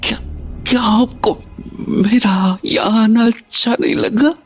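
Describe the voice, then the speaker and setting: A man's voice: high voice, fairly even intonation, slow. A man voicing an unsettling grown son who comes home after years away, whispering and swinging from sweet to hurt, in a horror audio drama. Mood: wounded pleading. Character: unsettling grown son, returned after 22 years, mother calls him a monster.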